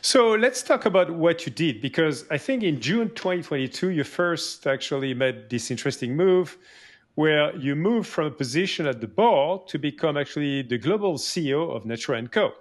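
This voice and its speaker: A male podcast host with a voice a little above the usual pitch for a man. He asks long, looping questions and fills his guest's answers with short yeahs and yeses. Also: expressive, moderate pace. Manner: rambling questions with many "yeah" and "yes" backchannels. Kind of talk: interviewer asking questions.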